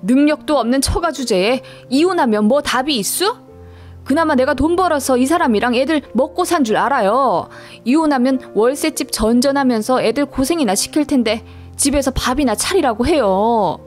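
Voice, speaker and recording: A woman's voice: sits high, very animated, normal speed, faint music behind. A woman voicing a crude, contemptuous husband in a story reading, sneering and insulting. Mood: shouting.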